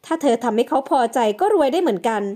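A woman's voice: high voice, expressive, fast talker, mellow. A woman doing a wheedling, scheming older sister figure. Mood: coaxing. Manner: coaxing, pleading.

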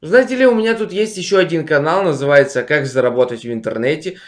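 A man's voice: a little high, quick pace. Young man teasing on a video chat. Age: young adult. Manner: sly, teasing, provocative. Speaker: vlogger. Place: small room lit blue indoors. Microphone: webcam video call.

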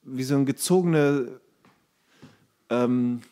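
A man with a mid-pitched voice chats casually as a podcast co-host. He talks in a halting way, feeling around for the right word, in a loose comedic conversational style. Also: dark tone.

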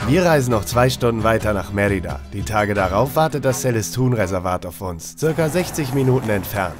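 Low-voiced man narrating a travel documentary. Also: brisk. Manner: calm, informative. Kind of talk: scripted travel voice-over. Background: background music.

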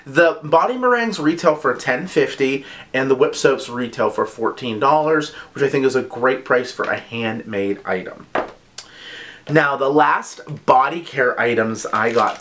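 A man's voice: mid-range voice, fairly bright tone. Chatty gushing man reviewing products. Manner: chatty and gushing, with quick asides. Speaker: vlog host reviewing body care products. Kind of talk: casual product review vlog.

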